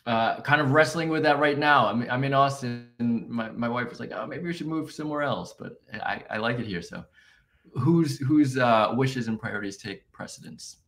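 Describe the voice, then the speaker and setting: A man answering interview questions in a relaxed, conversational way with frequent fillers. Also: mid-range voice, normal speed. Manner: relaxed, many fillers and restarts. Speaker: guest, marketing founder.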